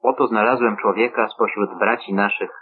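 Man reading as earnest dutiful young son, measured solemn reading, husky, tinny phone-like sound. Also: lowish voice, steady tone. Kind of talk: scripture reading.

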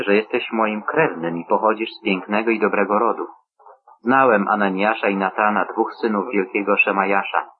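A devout old blind father speaks in a low, husky voice, read by a man. The delivery is solemn and measured, like scripture read aloud. The sound is thin and tinny, as if heard over a phone line. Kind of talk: scripture reading.

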